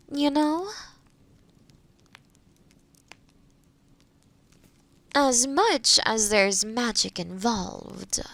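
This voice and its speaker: A woman playing a kind, scholarly witch in an audio roleplay, explaining things precisely and with gentle reassurance. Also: mid-range voice, dry recording. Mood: earnest, explaining. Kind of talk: scripted audio roleplay, conversational.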